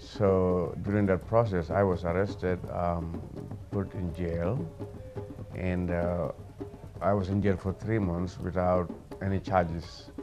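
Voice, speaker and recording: A man's very deep, low voice at a very slow pace, fairly even in intonation, with music in the background. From Gambia, West Africa. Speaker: university professor and community activist. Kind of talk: interview answer.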